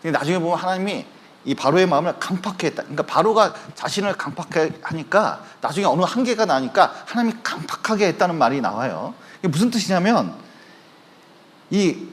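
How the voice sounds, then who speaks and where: A man with a high, lively voice preaching a sermon in a church. He tells his stories with energy, acting out the people in them. His pitch swings widely as he speaks. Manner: animated storytelling, acting out quoted voices. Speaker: pastor. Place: church sanctuary.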